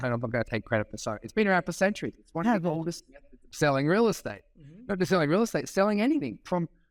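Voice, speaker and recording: Talking very fast in an American accent, this voice swings hugely in both loudness and pitch. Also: man, high pitch for a man. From Southern California, previously lived in Australia. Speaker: real estate auctioneer. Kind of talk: casual podcast interview answer.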